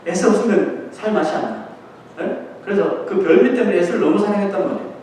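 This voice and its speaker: Man preaching, high voice, lively storytelling, big echoey church, distant mic. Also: quick pace, a little hiss or hum. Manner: animated storytelling, acting out quoted voices with laughs. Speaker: pastor. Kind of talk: sermon. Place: church sanctuary.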